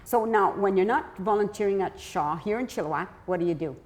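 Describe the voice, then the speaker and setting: A chatty woman hosts a small community TV talk show. She asks her guests playful, teasing questions and laughs often. Her voice sits at a middle pitch. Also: brisk. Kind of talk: casual community TV interview. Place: community TV studio.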